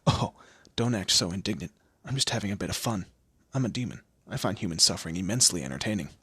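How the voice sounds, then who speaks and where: A man's voice: low-pitched, animated, fast talker, sharp tone, breathy edge, no room sound, full character voice. A man voicing a smug, teasing demon lord in a scripted audio roleplay, with a theatrical, condescending manner and amused asides. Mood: teasing, mocking. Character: smug, teasing male demon lord, proud torturer and bureaucrat.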